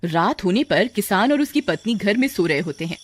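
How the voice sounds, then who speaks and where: A woman narrating a cartoon storybook in an even storytelling manner. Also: medium pitch, fairly quick.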